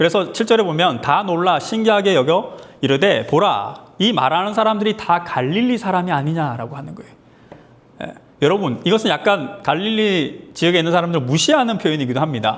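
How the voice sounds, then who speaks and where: A man with a high pitch talks at a fairly quick pace and with lively intonation, with audible room echo and noticeable background noise. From Gyeongsang region, South Korea. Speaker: pastor. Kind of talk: sermon. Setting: church. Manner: hesitant fillers.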